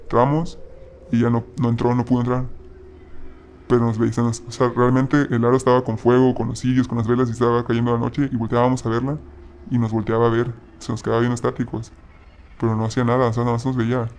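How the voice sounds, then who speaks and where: A man recounts a personal story in a gravelly, flat voice. He speaks haltingly and keeps breaking off to restart his sentences. Faint noise sits under the voice. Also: medium pitch. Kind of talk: personal story told casually.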